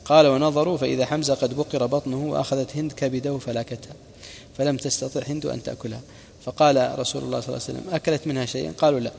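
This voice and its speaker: Gravelly-voiced man teaching religious history. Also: medium pitch, steady tone, racing, a little mellow, big-room sound, a little hiss or hum. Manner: narrates reports and quoted speech with brief asides. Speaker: preacher.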